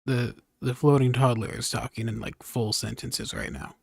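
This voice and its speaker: A man's voice: mid-range voice, steady tone, normal speed, vocal fry, darkish tone, a little hiss or hum. A man giving casual, playful and irreverent commentary as he plays a video game. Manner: irreverent, crude humour, playful. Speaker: gamer, streamer. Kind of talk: casual joking game commentary, reading some dialogue aloud. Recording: game music behind the voice. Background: video game music.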